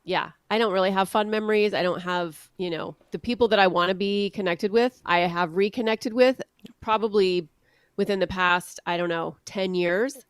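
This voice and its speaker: A woman co-hosting a podcast, chatting casually in a relaxed, reflective way and asking questions. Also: mid-range voice, normal speed, clean tone, dry recording, clean studio sound. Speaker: podcast co-host. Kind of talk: casual chat.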